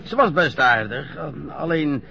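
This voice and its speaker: An actor playing a frail, grumbling old former sailor who talks hesitantly and teases. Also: male voice, a little high, very animated, measured pace, sharp tone, slight background noise, full character voice. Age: older. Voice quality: gravelly, hesitant, teasing. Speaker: elderly former sailor being bathed. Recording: dull lo-fi radio play recording.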